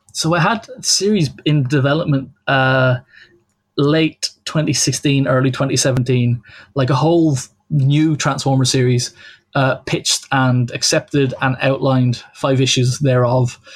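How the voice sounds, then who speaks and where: A man with an Irish accent, somewhat breathy, at a fairly slow pace. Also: medium pitch for a man, fairly even intonation, very even loudness. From Ireland, Wexford. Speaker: comic book writer. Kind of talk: casual interview.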